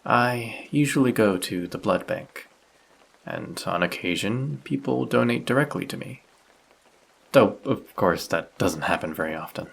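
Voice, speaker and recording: A man playing a friendly, polite vampire who speaks gently and reassuringly in an intimate roleplay audio drama, with a husky voice. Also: on the low side, expressive, measured pace, exaggerated voice, rough recording. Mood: gentle, earnest. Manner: polite, soft-spoken, reassuring, gently teasing. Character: friendly, courteous male vampire, gentle and caring stranger. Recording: rain sound effects behind the voice.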